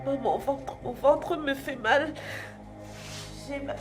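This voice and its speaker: A woman playing a distressed patient in a TV drama, crying out in pain with drawn-out, pleading moans. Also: high voice, faint music behind. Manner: wailing, drawn-out moans and repeated pleas. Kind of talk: TV drama acting.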